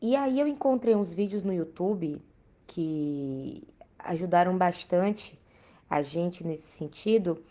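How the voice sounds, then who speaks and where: Casting: young Brazilian woman, soft-toned timbre, conversational and explanatory, everyday testimony. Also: on the low side, expressive, takes it slowly. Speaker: interviewed mother. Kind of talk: casual spoken testimony.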